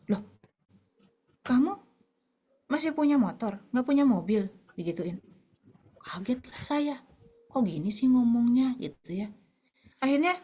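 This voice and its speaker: A woman gives a chatty sermon to a group of mothers, weaving in stories from her own life. Her voice sits a little high. The recording sounds dull and lo-fi. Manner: conversational, anecdotal, addresses listeners as "ibu-ibu". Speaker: women's fellowship speaker.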